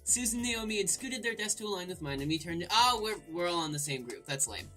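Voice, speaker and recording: A woman let's play host with a bright, very animated voice over faint game music. She slides between reading aloud and irreverent, crude commentary. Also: on the low side, quick pace. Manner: irreverent, crude, jokey asides.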